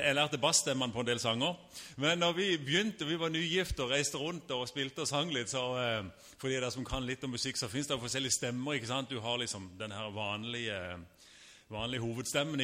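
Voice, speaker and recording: A man in his fifties preaches in a conversational, personal way, often stopping to restart his sentences. His voice is mid-pitched, and a long reverb from the church hall trails behind his words. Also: bright, forceful tone. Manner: casual and personal, with frequent fillers and restarts. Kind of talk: sermon.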